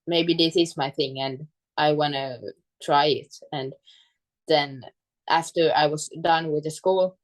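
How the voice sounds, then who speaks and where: A woman with a low voice and a Finland-Swedish accent talks as a guest in a casual interview. She goes slowly, halting to find her words in English, which is second to her native Swedish. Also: rough recording. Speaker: guest, fitness coach.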